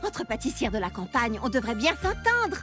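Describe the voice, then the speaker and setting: A woman voicing a cheerful, optimistic young girl baker in an animated cartoon dub, perky, earnest and reassuring. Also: fairly high pitch, normal speed. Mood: reassuring, upbeat. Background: background music.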